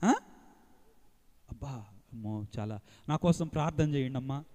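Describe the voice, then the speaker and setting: A male Catholic priest, preaching a lively sermon to a large congregation and calling for responses. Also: medium pitch, moderate pace. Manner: lively call-and-response preaching, mixing English phrases. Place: large outdoor gathering. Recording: long hall reverb.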